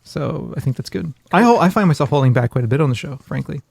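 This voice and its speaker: A man's voice: a little high, animated, fast, vocal fry, darkish tone, breathy edge, no echo. A man co-hosting a podcast in casual chat, rambling and self-deprecating with jokes. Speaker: podcast co-host.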